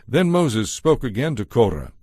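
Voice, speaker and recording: Dry-sounding male scripture narrator, mid-pitched. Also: big pitch swings, normal speed, a little mellow, slightly rough, dry recording.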